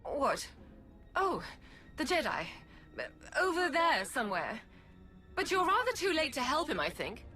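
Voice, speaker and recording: A cold, scornful female Sith lord, her voice high, bright and swooping. She speaks in clipped, imperious phrases, with game music behind her. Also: big pitch swings, unhurried, pauses often, heavily acted. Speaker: game voice actor.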